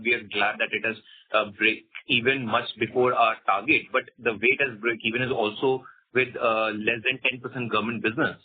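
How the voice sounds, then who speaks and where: A man's voice: mid-range voice, husky. A man with an Indian accent speaking assertively as a company executive answering questions on an earnings call, with frequent "you know". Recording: muffled narrow phone conference line.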